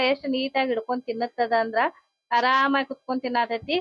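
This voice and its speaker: Her pitch high, a woman keeps her intonation fairly even. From North Karnataka, India. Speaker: travel vlogger. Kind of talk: vlog narration. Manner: casual, conversational.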